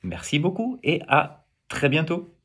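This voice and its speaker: A man's voice: a little high, animated, a little slow, fairly bright tone, breathy edge. A man from France teaching pronunciation in a video lesson, explaining patiently to viewers, with frequent hesitations. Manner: speaks to viewers with polite plural address.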